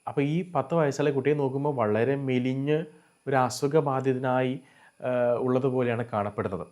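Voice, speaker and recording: A man's voice: mid-range voice, fairly even intonation, a little fast, darkish tone. A man with a Malayali accent hosting a Catholic channel, earnestly and animatedly retelling a religious story with English words mixed in. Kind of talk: chanted Latin prayer.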